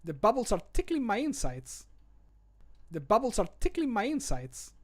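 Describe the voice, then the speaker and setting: Quirky male fantasy game character , acted by a man: cheery, sing-song, high-pitched, fond of his ale. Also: wildly swooping pitch, normal speed, heavily acted. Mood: giddy, tickled. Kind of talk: fantasy video game voice lines.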